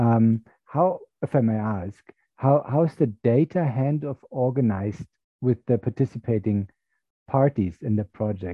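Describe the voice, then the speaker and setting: A man talks at a fairly slow pace in a medium pitch with ordinary pitch variation and a plain, everyday voice. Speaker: podcast host. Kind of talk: interview.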